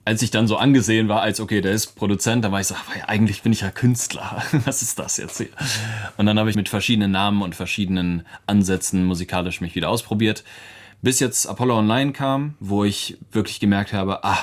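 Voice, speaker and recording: Low-voiced young man, casual chat. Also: fairly even intonation, a little fast. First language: English. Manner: casual, chatty, laughs often, fillers. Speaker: musician guest. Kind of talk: relaxed radio interview answers.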